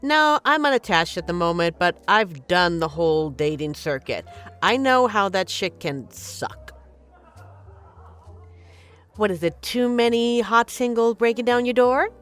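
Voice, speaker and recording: A woman's voice: mid-range voice, expressive, moderate pace, fairly bright tone, clear, resonant tone, faint music behind, close to an everyday voice. A woman playing a flirty, teasing but caring bartender in an intimate, conversational audio roleplay. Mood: curious, sympathetic. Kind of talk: intimate scripted roleplay, ASMR-like.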